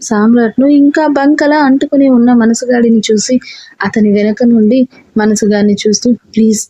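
A woman's voice: on the high side, fairly even intonation, moderate pace, mellow, breathy edge, dry recording. A woman narrating a romance story as an audiobook, reading steadily and expressively.

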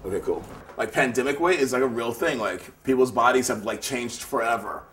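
A man's voice: medium pitch, fairly quick, a bit bright. A man from New City, an artist talking casually and rambling, with lots of filler words. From New York City. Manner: laid-back, rambling, lots of "like". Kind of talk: casual conversational interview.

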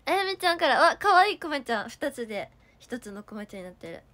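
A woman's voice: high-pitched, big pitch swings, fast talker, a bit bright. A young woman with a Kansai accent chatting on a livestream, reading viewer comments aloud and thanking them, with a cough and a sore throat. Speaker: idol livestreamer. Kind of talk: casual livestream chat.

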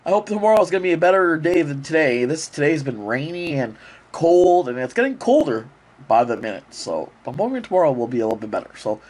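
A man's voice: a little high, very animated, fast, a little mellow. Chatty man with a cold. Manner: rambling, chatty, many fillers. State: congested with a cold. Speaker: vlogger. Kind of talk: casual vlog talk to camera. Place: bedroom, outdoors on streets, in a store. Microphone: handheld action camera at arm's length.

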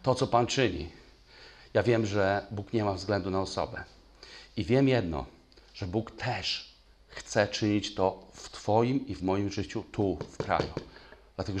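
A man preaching a sermon in a church, telling stories with lively sound effects, at times moved to tears. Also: sits low. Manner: animated, acts out gunfire with spoken sounds; emotional, voice breaks. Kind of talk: sermon with storytelling. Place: church hall.

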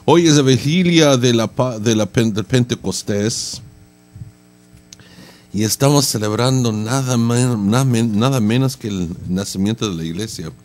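A man's voice: medium pitch, unhurried, darkish tone, faint music behind. A middle-aged man, hosting a casual morning radio show in a studio, playful and stammering. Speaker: radio host. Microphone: large studio mic on boom arm.

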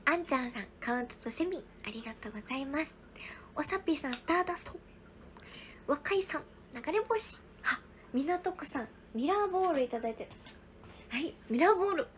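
High-voiced young woman, soft and whispery. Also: animated, fairly quick, slight background noise. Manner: soft, often whispery, thanking viewers one by one. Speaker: livestream host. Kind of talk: casual livestream chat reading viewer gifts.

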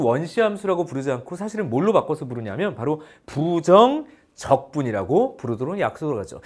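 A man delivering an online math lesson in a somewhat raised voice whose pitch rises and falls with lively energy. He is playful, switching between polite and casual speech with his students. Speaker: math teacher. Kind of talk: online lecture.

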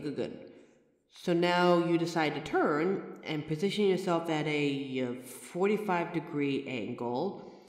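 A man voicing a person's own mirror reflection, a sentient being of light, who explains things patiently to the listener with chatty, wry asides. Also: on the high side. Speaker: audio roleplay voice actor. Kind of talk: scripted audio roleplay addressed to the listener. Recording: echoey room with long reverb.

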